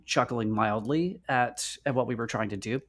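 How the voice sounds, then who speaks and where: A man's voice: mid-range voice, moderate pace, fairly bright tone. A man chatting casually as a podcast co-host, emphatic and jokey, often repeating his phrases as he goes. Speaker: co-host of a podcast live show. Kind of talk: casual chat, bantering.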